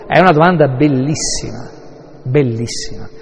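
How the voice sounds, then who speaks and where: A man's voice: medium pitch, normal speed, vocal fry, in a large hall, slight background noise. A male priest explaining a Bible reading to his congregation, talking in a conversational, digressive way with wry asides.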